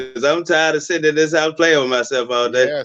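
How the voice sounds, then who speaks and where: A man with an American accent speaks at a fairly high pitch with ordinary pitch variation. Noticeable background noise runs under his voice. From Chicago West Side, US Midwest. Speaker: comedian. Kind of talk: stand-up.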